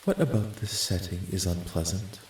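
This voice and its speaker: A man voicing a calm, curious, clinical alien researcher in a soft-spoken ASMR roleplay, with measured, formal, detached questioning. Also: low-pitched, natural voice. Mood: detached curiosity. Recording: roomy echo, light background noise.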